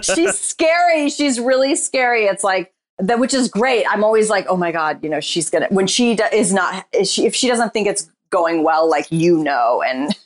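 A woman guest, a writer and performer, talking candidly and reflectively in a casual interview, often pausing on "like" and "you know.". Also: mid-range voice, lively intonation. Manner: describes herself as shy and introverted.

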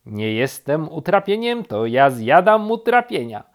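Lady doing a crazy happy woodpecker for a kids story, loud high n excited, says stuff over and over. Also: a little slow. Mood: gleeful. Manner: excited, repetitive, cackling. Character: loud, exuberantly happy male woodpecker, repeating words.

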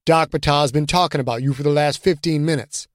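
A man's voice: a little high, fairly quick, no echo, clean studio sound, lightly acted. Man doing an unflappable veteran player. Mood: calm.

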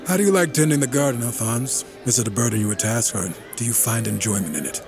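An actor playing an imposing freeman sorcerer who speaks formally, in a measured, commanding way. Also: medium pitch, gravelly, music in the background, natural voice. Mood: courteous.

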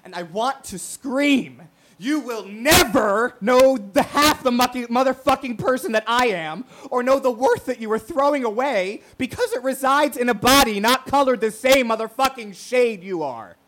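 An actor playing a brash, wounded, proud gay radio talk show host in an emphatic, profane, theatrical monologue. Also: male voice, extremely high pitch, expressive, normal speed, few pauses, fairly bright tone. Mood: indignant, impassioned.

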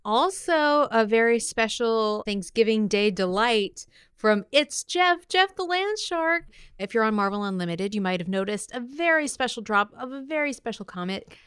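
A woman co-hosting a podcast, chatting casually in a playful, expressive, gushing manner. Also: fairly high pitch, moderate pace, clean tone, no room sound, clean studio sound. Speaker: podcast co-host.

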